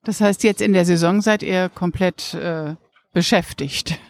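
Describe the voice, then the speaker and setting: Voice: medium pitch, unhurried, creaky, no echo. An interviewer asking friendly, enthusiastic questions at a beach bar. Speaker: interviewer, reporter.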